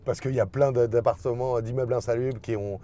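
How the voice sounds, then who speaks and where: A man's voice: mid-range voice, fairly even intonation, a little fast, warm tone. A man interviewing in a casual, informal way, feeling his way through his questions.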